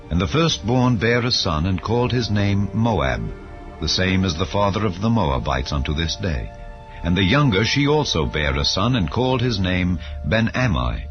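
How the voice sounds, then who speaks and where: Deep-voiced man solemnly narrating scripture, music behind. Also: big pitch swings. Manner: solemn, measured, dramatic reading. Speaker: audiobook narrator. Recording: dull lo-fi audio over music. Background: background music.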